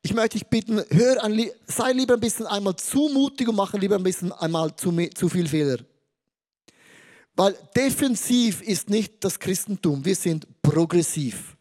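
High-voiced animated male preacher. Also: normal speed. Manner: animated, acts out quotes with shifting pitch and loudness. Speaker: pastor. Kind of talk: energetic sermon storytelling.

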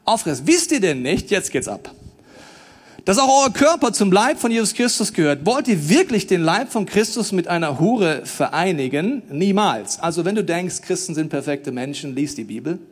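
A man preaching a sermon in a casual, colloquial way, swinging between loud emphatic pleading and low, quiet intensity, with acted-out asides. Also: very animated, moderate pace.

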